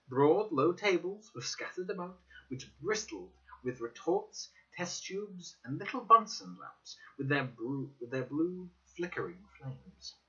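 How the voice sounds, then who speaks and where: A man's voice: on the high side, bright, forceful tone. A man reading a story aloud as narrator, in a dramatic scripted style. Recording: dull lo-fi recording.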